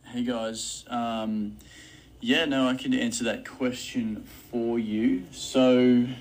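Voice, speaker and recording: A man leaving a casual voice message, talking hesitantly in a husky voice. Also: mid-range voice, level tone, slow pace, low-quality recording. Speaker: guest answering by voice message.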